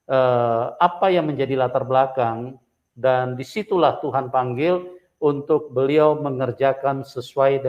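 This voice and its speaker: A man hosting an interview, speaking slowly and measuredly with many hesitations. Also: medium pitch. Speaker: interview host. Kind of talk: interview, steady backchannel. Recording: dull, muffled sound.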